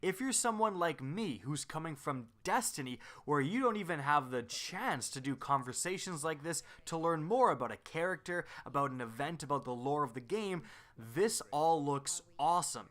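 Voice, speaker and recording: A man's voice: a little high, expressive, moderate pace, a bit bright. A man hosting a gaming video, giving upbeat, explanatory commentary as a voice-over.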